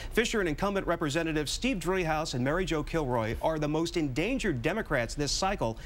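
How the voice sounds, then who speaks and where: Talking at a very fast pace, a man's voice carries noticeable vocal fry. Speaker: news presenter. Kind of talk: news report. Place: studio. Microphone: lapel.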